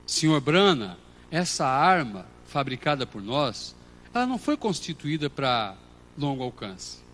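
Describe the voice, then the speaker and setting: A Brazilian man preaching a sermon as pastor, moving between quiet storytelling and loud shouted passages. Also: on the high side, very animated, unhurried, slight background noise. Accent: Brazilian Portuguese. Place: church hall.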